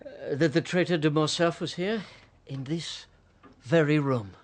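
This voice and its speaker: An actor playing a fawning, greedy banker baron in a radio drama, flustered and hesitant. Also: male voice, a little high, a little slow, close to an everyday voice.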